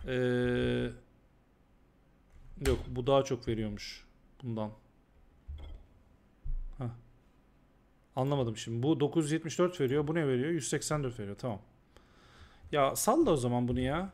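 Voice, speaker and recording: A man's voice: mid-range voice, moderate pace, pauses often, a little mellow. A man streaming a game live and talking casually, often ranting in exasperation and repeating himself. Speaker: gaming streamer.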